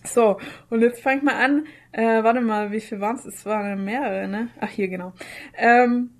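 A woman with a fairly high voice. She speaks informally and conversationally, as one of the hosts of a podcast. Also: steady tone, moderate pace. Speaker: podcast co-host. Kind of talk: casual chat.

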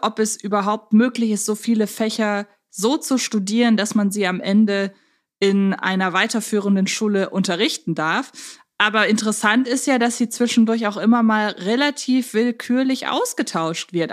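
A woman hosting a podcast, casually analysing in conversation. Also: mid-range voice. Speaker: podcast host. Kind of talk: casual analytical fan discussion.

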